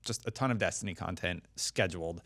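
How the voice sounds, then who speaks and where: A man's voice: low-pitched, a little fast, fairly bright tone. A man speaking casually as a panelist on a podcast.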